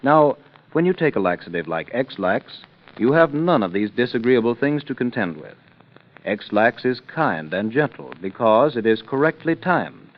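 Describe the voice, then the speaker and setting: A male radio announcer reading a scripted advertisement persuasively. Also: mid-range voice. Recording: dull old radio recording with music.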